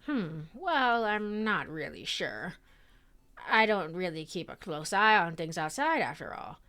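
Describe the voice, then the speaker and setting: A gossipy old lady who runs a noodle shop and talks up everyone's business, as a woman puts her on. Her grandma voice is low-set and fussy, with pitch that climbs and dips a lot. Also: very animated, measured pace, pushed and bright, exaggerated voice. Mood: chatty. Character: chatty gossipy older noodle-shop proprietress.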